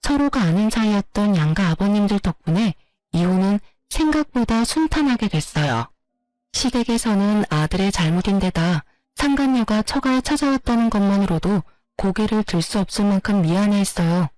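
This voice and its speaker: A woman narrating a true story of a divorce in a steady, resentful tone, close to the mic. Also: mid-range voice, moderate pace, no room sound, poor audio.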